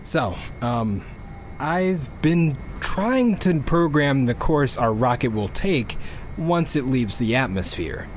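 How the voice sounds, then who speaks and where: A man's voice: mid-range voice, big pitch swings, takes it slowly, a little hiss or hum. A man playing a geeky, exasperated rocket programmer who rambles and swears through a casual audio log in a sci-fi drama. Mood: nerdy, rambling. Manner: rambling, self-interrupting, swearing.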